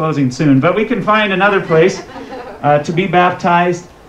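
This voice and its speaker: A man's high-pitched voice is heard with audible echo from the room. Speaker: pastor. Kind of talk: sermon. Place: waterside.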